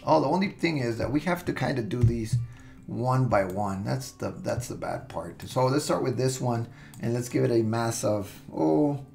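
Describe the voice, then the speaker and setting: A man with a gravelly, medium-pitched voice explains a piece of software step by step at a normal pace. Recorded at his computer over soft music, he stays relaxed and thinks out loud, using fillers and restarting sentences.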